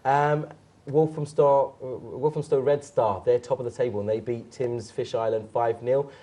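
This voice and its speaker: A man's voice: mid-range voice, steady tone, normal speed, dark tone. A man hosting a studio football talk show, chatting casually with hesitant ums and playful jokes. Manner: hesitant, lots of ums and restarts, jokey. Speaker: host.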